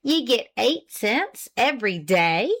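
A thin, shrewish old farm wife, played by a woman, frugal and quick to needle. Her voice sits high and sharp, with a nagging rural drawl that leaps up and down. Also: big pitch swings, heavily acted.

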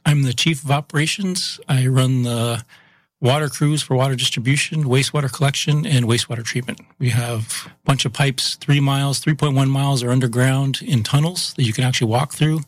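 A man who runs a town's water and sewer crews, talking through how the system works in a relaxed interview. He speaks plainly, often trailing off with "so" and "yep". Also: medium pitch, fairly quick. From Massachusetts, US. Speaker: utilities chief of operations. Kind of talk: casual interview.

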